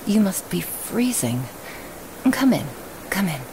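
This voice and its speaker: A woman playing a lonely, hospitable woman in a remote forest cabin, speaking softly and coaxingly in a half-whisper to the listener. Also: medium pitch, very animated, slow, noisy background. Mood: gentle. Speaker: ASMR roleplay performer. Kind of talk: ASMR roleplay, whispered to the listener.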